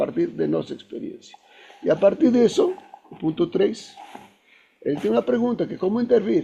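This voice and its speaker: Moderate pacing in a Spanish accent, with long, frequent pauses. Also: man. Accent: Spanish-accented Portuguese (portunhol). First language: Spanish (speaking Portuguese). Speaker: psychoanalyst presenting a seminar. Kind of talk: lecture. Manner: halting, with many fillers and repetitions.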